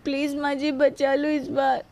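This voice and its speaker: A woman's voice: high-pitched, steady tone, moderate pace, a little mellow. A young woman playing a timid daughter-in-law who pleads anxiously. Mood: tearful. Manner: pleading, fearful.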